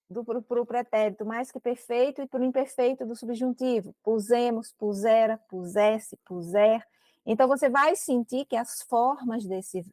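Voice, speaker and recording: A woman with a Brazilian Portuguese accent teaches grammar in a recorded class, walking through each point patiently. Her voice sits a little high, and the sound is close and dry with no room around it. She keeps tagging her explanations with quick checks to the listener. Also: darkish tone, dry recording. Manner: explains step by step, with frequent checking "né?" and "ok?".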